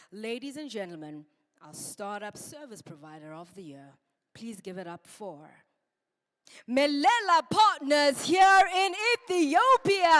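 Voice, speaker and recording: Her pitch swings very widely as she talks. The woman's tone is animated. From South Africa. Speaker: event host / MC. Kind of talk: awards ceremony hosting. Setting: stage with audience.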